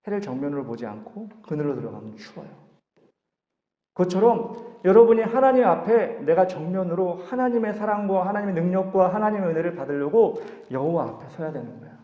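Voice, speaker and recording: A man preaching a sermon to a youth service, lively and acting out voices in dialogue. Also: high voice. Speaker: youth pastor. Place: church sanctuary. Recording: echoey hall, dull lo-fi sound.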